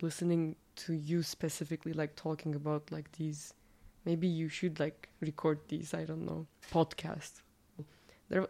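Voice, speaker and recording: A woman from Turkey, whose first language is Turkish, speaks casually in an interview. Her voice is a little nasal and sits somewhat low. She rambles in a chatty way, leaning on fillers. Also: warm tone. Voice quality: slightly nasal, fairly deep voice.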